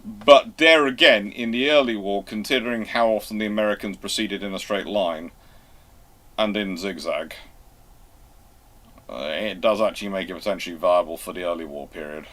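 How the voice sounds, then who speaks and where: A man hosting a live question-and-answer history talk, speaking in a halting, emphatic way as he reworks his phrases. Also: on the low side, fairly bright tone. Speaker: host answering viewer questions.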